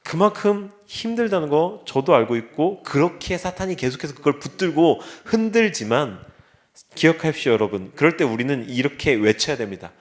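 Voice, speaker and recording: Earnest pastor preaching, slightly high voice. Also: male voice, lively intonation, a little fast. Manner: earnest preaching, with wry quips and acted asides. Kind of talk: sermon. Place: church sanctuary.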